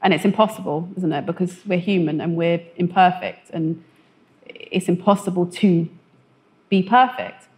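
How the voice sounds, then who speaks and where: A woman's voice: on the low side, normal speed, poor audio. Hesitant woman telling her story. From West London. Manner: hesitant, filler-heavy, animated when quoting others. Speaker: testimony guest. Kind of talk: conversational testimony.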